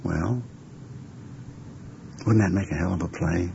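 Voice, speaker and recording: A man muses aloud in an interview. His deep voice is gravelly, recorded dully with faint noise behind it. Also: takes it slowly. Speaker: interviewed commentator. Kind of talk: reflective conversational interview talk. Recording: muffled archive recording with background noise.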